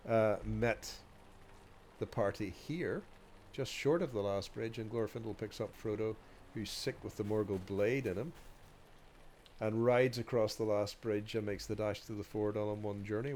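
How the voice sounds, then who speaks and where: A man's voice: medium pitch, a little mellow, a little hiss or hum. A man with a stuffy, nasal voice from a cold, rambling hesitantly as he hosts a walk-along video, with many ums and restarts. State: stuffy nose from a cold, coughing. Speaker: video host.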